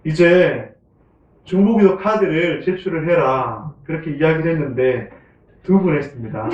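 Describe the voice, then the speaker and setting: A man's voice: fairly high pitch, animated, measured pace. A male pastor preaching a Sunday sermon in a conversational way, often asking the congregation questions and chuckling. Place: church sanctuary. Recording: echoey room, from a distant mic, dull sound.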